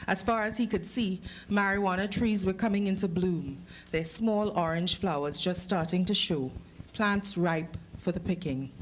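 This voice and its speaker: A woman's voice: fairly low pitch, normal speed, low-quality recording. A woman with a Trinidadian accent, an author speaking and reading her fiction to a live audience with careful phrasing and a playful manner. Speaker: author reading from own short story. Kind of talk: literary reading with informal introduction to a live audience. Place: live lecture event before an audience. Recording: live talk with clear background noise.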